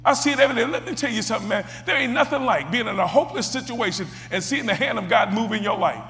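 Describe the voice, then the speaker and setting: A man preaching a sermon, who stumbles over and repeats words and builds up to shouted exclamations. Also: very high voice, lively intonation, fast, long reverb tail, soft background music.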